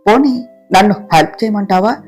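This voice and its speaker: Vengeful young female ghost voiced by a woman, lowered voice, menacing, taunting, storybook telling. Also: brisk, darkish tone, soft background music, close to an everyday voice.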